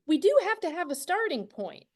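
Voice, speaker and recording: A woman's voice: sits high, very animated, fairly quick, a little mellow. A woman hosting a conversational interview, speaking in an affirming, enthusiastic way. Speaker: podcast host interviewing guests.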